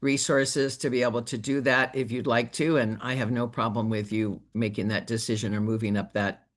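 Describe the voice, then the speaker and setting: A man acting as a district leader on a recorded meeting call, talking in a measured, hesitant way with many fillers. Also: mid-range voice, fairly even intonation.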